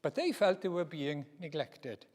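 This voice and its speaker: A man preaching a teaching sermon in a church, expressive and repeating phrases for emphasis. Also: on the high side, measured pace. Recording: reverberant church hall.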